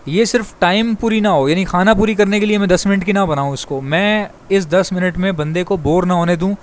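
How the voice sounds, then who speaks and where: A man from Pakistan who vlogs about breeding birds, talking quickly and chattily to his viewers and calling them brother. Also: high voice, a little hiss or hum. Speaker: bird breeder vlogger. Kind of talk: fast casual monologue to viewers.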